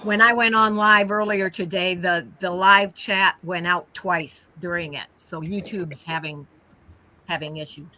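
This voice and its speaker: A woman's voice: fairly low pitch, fairly even intonation, unhurried, sharp tone, a little hiss or hum. A woman from Ohio hosting a casual live stream, explaining things plainly with small restarts.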